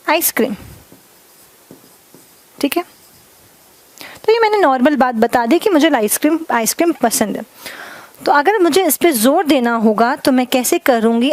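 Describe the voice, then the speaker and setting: A woman with a fairly high voice teaches a grammar class. She goes slowly and keeps checking that her students follow. The sound is close and dry, with no room echo. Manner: explains slowly with many checks of understanding; mixes Hindi and English. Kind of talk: classroom lesson.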